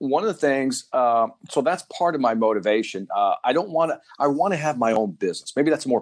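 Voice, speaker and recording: A man with a Chicago accent in a very clean recording with a silent background. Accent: Chicago American. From US Midwest, Chicago. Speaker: sales trainer and keynote speaker. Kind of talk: interview. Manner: loose, casual.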